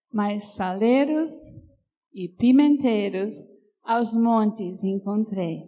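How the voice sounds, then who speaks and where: An older woman from Canada speaks with a Northeastern Brazilian accent, slow and gentle, her voice mellow and fairly high. The sound is a little dull, as from a church sound system. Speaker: pastor's wife sharing testimony. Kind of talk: personal testimony and poem reading in church.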